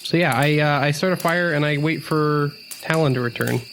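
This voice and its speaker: A man's voice: fairly high pitch, normal speed, a bit bright, slight background noise. A man playing a tabletop role-playing game, casually describing what his character does.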